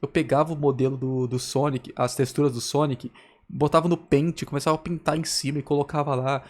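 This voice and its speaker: With a steady, a little mellow mid-range voice and a slightly quick pace, this Brazilian man hosts a reaction video. His casual storytelling is slangy, meandering, and repetitive.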